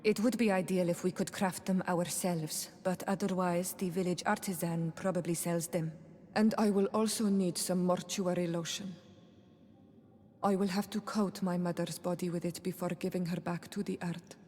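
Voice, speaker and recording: Woman acting an earnest, low-voiced young tribal healer. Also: fairly even intonation, moderate pace, darkish tone, in a large hall, lightly acted. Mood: solemn, grateful. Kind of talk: video game voice acting.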